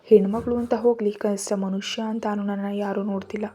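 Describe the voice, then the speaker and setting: A woman's voice: medium pitch, flat delivery, brisk, mellow, husky, lightly acted. A woman voicing a heartbroken young woman who is crying and despairing, in an audio story. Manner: despairing, self-pitying.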